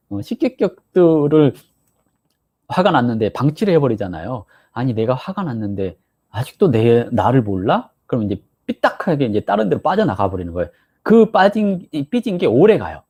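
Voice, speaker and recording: Husky man teaching with lively pitch. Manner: explanatory, acts out couples' quarrels in quoted voices. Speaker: saju fortune-telling teacher. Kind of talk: live-stream lesson.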